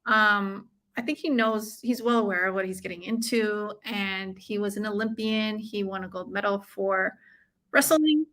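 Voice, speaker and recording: A woman's voice: mid-range voice, moderate pace, fairly bright tone. An American woman hosting a live watch-along, chatting casually with viewers in an informal, effusive, slangy way. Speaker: livestream watch-along host. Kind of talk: casual live chat with viewers and fight commentary.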